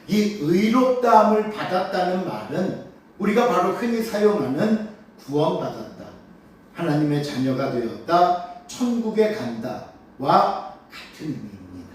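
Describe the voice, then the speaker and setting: A man's voice: a little high, a little hiss or hum. A male pastor preaching a Sunday morning sermon. He asks rhetorical questions and cues the congregation to read scripture aloud. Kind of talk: Sunday morning sermon, expository Bible teaching. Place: church sanctuary during a worship service. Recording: very echoey church sound from a distant mic.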